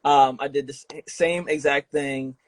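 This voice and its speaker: A man hosting a casual interview, talking informally with slang and a halting, thinking-aloud delivery. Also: mid-range voice, fairly even intonation, no room sound. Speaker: podcast host interviewing an audio drama creator.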